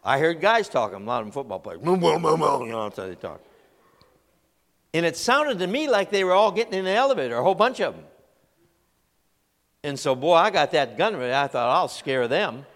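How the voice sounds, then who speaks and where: Male preacher, animated storyteller, bright tone, reverberant hall. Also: on the high side, fairly quick, pauses often. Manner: animated storyteller, acts out voices and laughs. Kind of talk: humorous sermon illustration.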